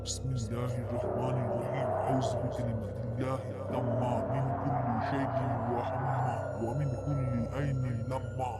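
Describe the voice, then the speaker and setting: A man's voice: mid-range voice, flat delivery, moderate pace, few pauses, loud music behind the voice, natural voice. A man playing a stern, pious madrasa cleric in a cartoon, admonishing and solemn. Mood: solemn prayer. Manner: admonishing, with chanted prayer. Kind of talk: scripted cartoon acting.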